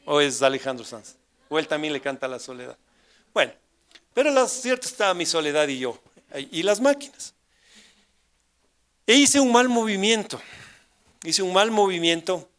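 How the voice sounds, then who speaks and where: A man with an Ecuadorian Spanish accent preaching a sermon at a church service, telling a personal testimony with emphatic rhetorical questions and sudden swings between soft and loud. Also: on the high side, big pitch swings, normal speed, pauses often, clear, resonant tone. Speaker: pastor.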